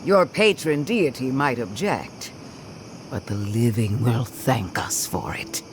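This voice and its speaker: An actor playing a stern, zealous military commander in a video game, with a commanding, forceful delivery. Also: male voice, medium pitch, lively intonation, slow pace, noisy background. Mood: resolute. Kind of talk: video game character acting.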